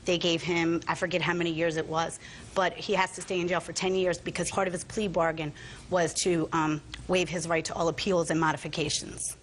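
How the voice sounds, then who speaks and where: A woman's voice: fairly low pitch, little pitch movement, fairly quick, slight background noise. A woman giving testimony as a defendant in a courtroom, answering in a plain, matter-of-fact way. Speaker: defendant in small claims court. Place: television courtroom.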